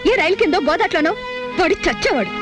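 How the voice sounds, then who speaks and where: An actress playing a sharp-tongued young unmarried woman in a film scene, talking in a scolding, forceful way. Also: very high voice, very animated, fast. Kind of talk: dubbed film dialogue. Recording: film soundtrack with background music.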